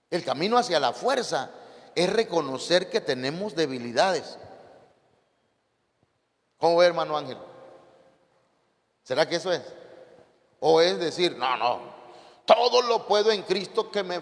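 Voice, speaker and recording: A man with a Mexican accent preaching a lively sermon to his congregation and putting questions to them. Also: on the high side. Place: church hall. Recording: reverberant church hall.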